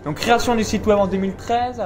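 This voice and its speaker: A man hosting a casual business interview at a seminar, explaining and coaching listeners in a brisk way. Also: sits high, fairly even intonation. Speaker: YouTube interviewer and host. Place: seminar venue.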